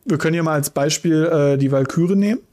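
Slightly high-voiced man explaining card rules. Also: fairly quick, darkish tone. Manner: explains rules in detail, dry ironic asides. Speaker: podcast co-host. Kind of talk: casual podcast chat about card games.

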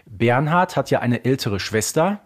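A man's voice: mid-range voice, animated, unhurried. A man co-hosting a podcast, talking in an emphatic, colloquial and opinionated way. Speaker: podcast co-host. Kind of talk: casual, opinionated podcast chat.

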